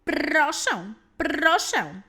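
A woman voicing a chatty, helpful talking crow in a children's fairy tale, with cawing, drawn-out, emphatic speech. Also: sits high, big pitch swings, bright, forceful tone, voice pushed up, full character voice. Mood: eager, chatty.

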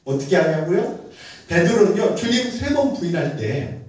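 A man's voice: very high voice, big pitch swings, normal speed. A male pastor preaching a sermon in a church sanctuary, talking to the congregation conversationally and asking them questions. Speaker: senior pastor. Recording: very echoey church, mic far off.

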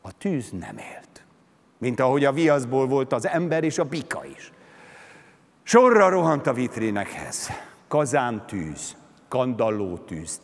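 A man giving a dramatic literary reading of a story, with expressive, sweeping intonation, on a concert hall stage. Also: mid-range voice. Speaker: reciting actor.

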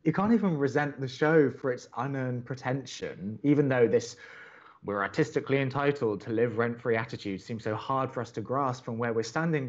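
A man acts out an earnest young theatre buff hosting college radio in an audio drama. He is wordy and opinionated, stumbling a little as he goes, at a middling male pitch. The sound is slightly dull and muffled. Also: darkish tone, natural voice. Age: young adult. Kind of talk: audio drama acting, conversational radio banter.

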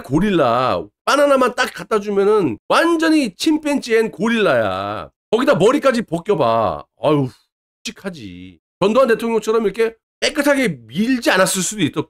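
A male channel host delivering an angry political rant, abusive, insulting and swearing nonstop. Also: high-pitched.

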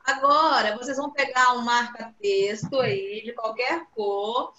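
A primary school teacher with a Brazilian Portuguese accent runs an online class for young children, coaxing them patiently and stretching out her words. Her voice is fairly high and measured, and the dull video-call audio picks up an echoey room and crowd noise.

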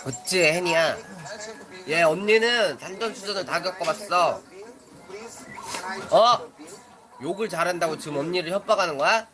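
A woman's voice: fairly low pitch, a little fast, a crowd in the background. A woman in her twenties streaming and scolding younger players in a bossy big-sister way, swearing as she talks. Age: 20s. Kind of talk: live stream chat with players. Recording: music playing loudly under the voice.

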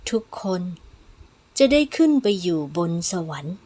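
A woman reading novel narration in a low, somber, measured voice. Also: big pitch swings, warm tone. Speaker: audiobook narrator.

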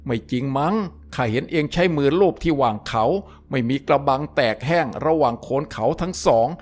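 A man voicing a gruff, suspicious male lieutenant in a read-aloud story, speaking bluntly. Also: medium pitch, brisk, lightly acted. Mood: challenging. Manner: blunt, challenging.

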